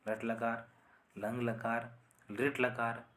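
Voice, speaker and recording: A man's voice: medium pitch, level tone, slow pace, fairly bright tone, a little hiss or hum. A man teaching a Sanskrit grammar lesson online, explaining with repetition and often asking "है ना?" to check understanding.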